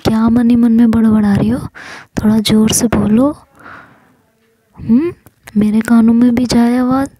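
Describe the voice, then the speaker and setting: A woman's voice: fairly high pitch, little pitch movement, measured pace, pauses often, dark tone, breathy edge, dry recording, rough recording. A woman voicing Ishu, a sulky, sarcastic young woman who complains, in whispered role-play. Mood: mocking.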